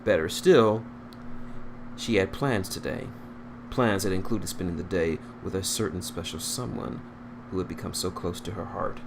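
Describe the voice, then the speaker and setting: Guy with a low voice reading a story out loud, trips on words sometimes, noisy background. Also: moderate pace, vocal fry. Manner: stumbles over words and rereads phrases. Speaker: fan fiction reader. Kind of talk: storybook-style narration read aloud.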